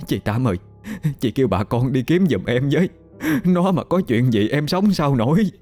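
A man voicing a distraught village mother in a storybook, pleading fast and tearful. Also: medium pitch, big pitch swings, a little mellow, soft background music, pitched above the performer's own voice. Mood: frantic pleading. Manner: pleading, rushed, crying. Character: distraught village mother searching for lost son.

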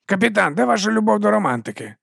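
A man plays a shifty, pushy street vendor in a storybook, with a high, brassy, slightly gravelly voice. He hawks his wares loudly and wheedles every customer, recorded dry and close. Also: sing-song, fast talker, no room sound, full character voice. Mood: hawking. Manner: wheedling sales patter, loud hawking.

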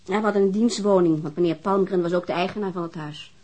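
A woman's voice: lowish voice, quick pace, darkish tone, natural voice. An actress playing a weary, defensive divorced mother, answering questions hesitantly in a naturalistic radio drama. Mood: defensive, aggrieved.

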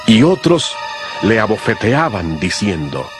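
A man's voice: lowish voice, very animated, unhurried. A man narrating scripture from a script in a solemn style, as part of a dramatized audio Bible. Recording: music behind the voice.

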